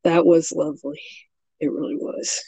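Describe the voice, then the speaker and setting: A man's voice: on the high side, little pitch movement, normal speed, vocal fry, dark tone, slightly rough. A man speaking as a podcast guest in casual chat, hesitant and stammering, laughing a lot.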